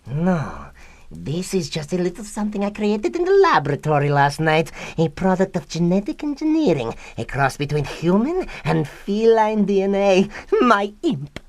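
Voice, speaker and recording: A woman's voice: on the low side, wildly swooping pitch, moderate pace. An actress playing a grandiose, haughty female mad scientist in a comic radio drama, theatrical, sneering and menacing. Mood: menacing, smug.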